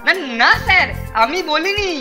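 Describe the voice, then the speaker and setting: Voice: very high-pitched, lively intonation, moderate pace, bright, forceful tone, exaggerated voice. An actor voicing a dim, sheepish older schoolboy in a children's cartoon, hesitant and full of excuses. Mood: nervous. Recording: music behind the voice.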